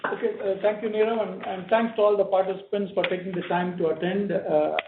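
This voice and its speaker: High-voiced Indian man on echoey phone line. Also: steady tone, background noise. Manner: halting, repeats words and phrases. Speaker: bank executive. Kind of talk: earnings call commentary. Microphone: conference call line.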